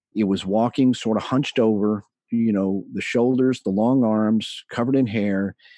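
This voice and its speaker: Fairly even in intonation and medium in pitch, a man talks in an unremarkable speaking voice. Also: moderate pace. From Texas. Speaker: author and cryptid researcher. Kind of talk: interview.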